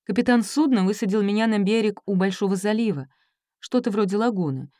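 A woman reading a quiet, guarded teenage boy. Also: mid-range voice, a little fast, dry recording, studio quality, lightly acted. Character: reserved, guarded Japanese youth of seventeen.

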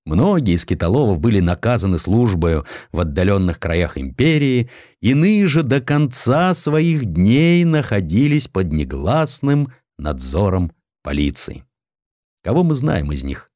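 A man narrating a historical audiobook dramatically and theatrically, with deliberate pauses. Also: lowish voice, big pitch swings, a little mellow, no room sound, clean studio sound.

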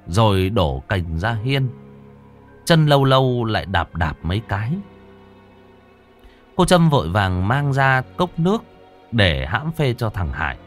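A man narrating a ghost story in an expressive, lively storytelling manner. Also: lowish voice.

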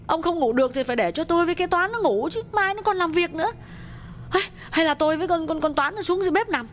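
A man voicing a sleepy, nagging middle-aged wife who scolds her husband in a quick, exasperated way. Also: extremely high pitch, lively intonation, a bit bright, voice pushed up. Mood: scolding. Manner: scolding, chiding, rapid exasperated.

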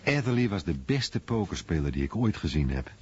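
An actor voicing a veteran airman recalling his comrade in a radio play, with a husky voice. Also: low-pitched, very animated, a little fast, darkish tone, slight background noise. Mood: wry recollection. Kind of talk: radio play voice-over translation. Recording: dull radio recording.

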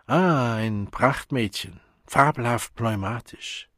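A man's voice: medium pitch, slow pace, a bit bright, no echo, clean studio sound. A man voicing a crude, boastful young man chatting smugly in an audiobook.

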